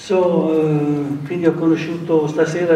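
Light background noise and audible room echo around a man talking. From Valcamonica, northern Italy; northern Italy. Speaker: gallery owner. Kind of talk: anecdotal talk. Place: hall. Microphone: podium.

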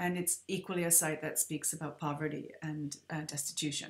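A woman's flat, monotone delivery in a Canadian accent. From Canada. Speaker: visual artist. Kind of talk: lecture. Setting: artist's studio. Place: home room. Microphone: webcam.

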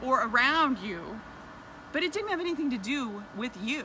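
Noticeable background noise sits under a woman's voice. She speaks at a moderate pace and a high pitch with very wide pitch swings. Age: 40s. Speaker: motivational vlogger, businesswoman. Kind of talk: personal advice monologue to camera. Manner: casual, with fillers and laughs.

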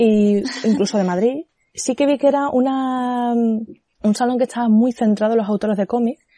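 A dark, mellow tone marks this woman's voice. The sound is dry and close, without any echo. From Spain. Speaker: webcomic creator. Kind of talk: roundtable discussion.

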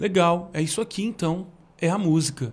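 The man's voice sits high in pitch. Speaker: gospel singer. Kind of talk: casual interview chat.

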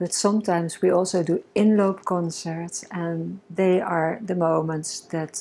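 Clear music plays in the background as the speaker talks at a fairly slow pace. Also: woman. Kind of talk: interview answer. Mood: warm, enthusiastic. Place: bar.

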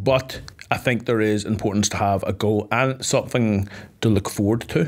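A man with a Northern Irish accent talks at a moderate pace. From Northern Ireland, Belfast. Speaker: podcast host, gym business owner. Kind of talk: casual chat. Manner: animated. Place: studio. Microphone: studio mic.

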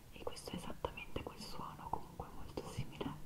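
A woman is whispering. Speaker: ASMR creator. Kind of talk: ASMR soft-spoken talk. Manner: soft-spoken, relaxing. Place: home room. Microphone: studio mic.

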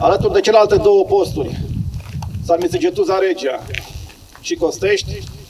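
A man at a moderate pace with ordinary pitch variation and noticeable background noise. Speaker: county gendarmerie official. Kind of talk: press statement. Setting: outdoors. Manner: formal. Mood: formal, official. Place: street.

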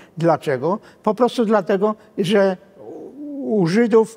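A man speaks at a very slow pace. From Łódź, Poland. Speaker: elderly witness recounting memories. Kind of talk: oral-history interview, reminiscing. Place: hall.

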